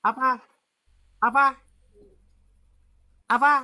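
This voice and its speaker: A man's voice: very high voice, steady tone, drawn-out words, bright, forceful tone. A man in a heated argument, angry and insistent, cutting in again and again. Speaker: debate opponent.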